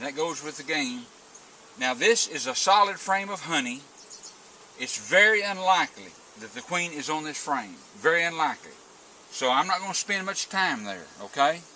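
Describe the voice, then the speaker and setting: The speaker uses lively intonation with big swings in loudness. Long, frequent pauses break up the speech, and noticeable background noise is present. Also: man. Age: 70s. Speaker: beekeeper. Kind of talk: tutorial. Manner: halting, many fillers and repeats; slow and gentle.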